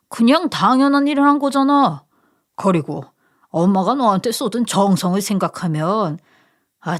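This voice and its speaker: A woman's voice: mid-range voice, close to an everyday voice. A woman voicing a condescending older brother who scolds and sneers in a radio story.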